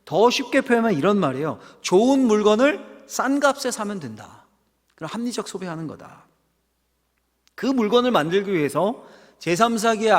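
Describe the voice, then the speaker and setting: A middle-aged male pastor giving a conversational sermon, asking the congregation questions. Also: sits high. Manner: conversational preaching with rhetorical questions and acted quotes. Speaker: senior pastor. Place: church sanctuary. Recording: long hall reverb.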